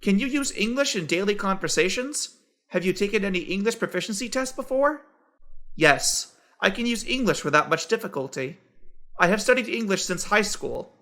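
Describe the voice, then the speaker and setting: A man reading scripted everyday conversations for English learners, in a clear, evenly paced textbook delivery. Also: high-pitched, lively intonation, moderate pace, bright, forceful tone. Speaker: dialogue voice for English practice.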